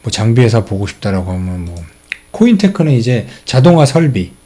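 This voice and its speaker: A middle-aged man walks through stock charts in a casual, chatty way, leaning on fillers as he goes. His pitch swings freely, rising and falling as he makes each point. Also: sing-song, fairly quick, dark tone, husky. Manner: explains charts step by step with many fillers. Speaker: stock channel host. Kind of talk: casual stock market commentary.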